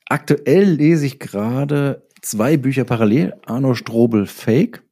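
A man's voice: mid-range voice, animated, unhurried, mellow. A man chatting casually as an interview guest, hesitant and searching for his words as he goes. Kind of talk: casual chat.

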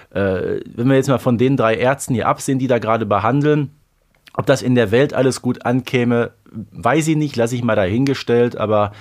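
A man's voice: lowish voice, darkish tone. A man co-hosting a podcast, discussing an episode casually with many fillers and nitpicking. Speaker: podcast co-host.

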